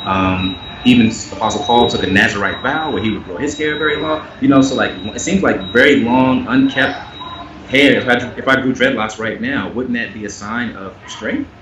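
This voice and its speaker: A man speaking earnestly as an interview guest, getting animated when he makes a point. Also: mid-range voice, moderate pace, far from the mic. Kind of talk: candid conversational interview. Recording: echoey, muffled, noisy remote audio.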